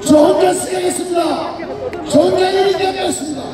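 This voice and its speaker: A man giving an impassioned political rally speech as its leader, shouting in an emphatic, declamatory way. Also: extremely high pitch, fairly even intonation, fairly quick. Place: outdoor street rally in front of a detention center. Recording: echoing loudspeaker outdoors, distant, crowd and music. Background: crowd and music.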